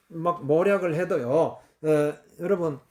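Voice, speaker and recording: A male pastor preaching a fervent sermon, repeating phrases, often clearing his throat and using many fillers. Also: fairly high pitch, slow, a little mellow.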